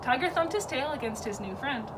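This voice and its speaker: Woman, storybook read-aloud, high pitch, very lively intonation, distant mic, noisy background. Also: brisk. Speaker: zoo educator reading a story.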